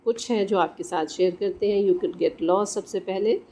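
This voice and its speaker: Mellow-voiced Pakistani woman teaching English. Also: medium pitch. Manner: reads English lines slowly, then explains them in Urdu. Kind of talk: classroom lesson explaining in Urdu with English reading.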